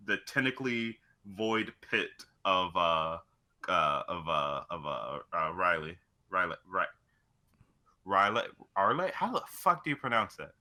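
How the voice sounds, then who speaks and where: Young man, fairly low pitch, very sharp bright tone, casual co-host, irreverent, blunt, swears freely. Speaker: podcast co-host. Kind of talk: casual unscripted chat.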